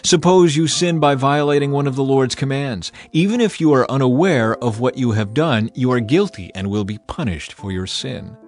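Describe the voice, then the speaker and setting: A man narrating scripture as a dramatized audio reading, with a solemn, measured and emphatic manner. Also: medium pitch, expressive, a little mellow. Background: background music.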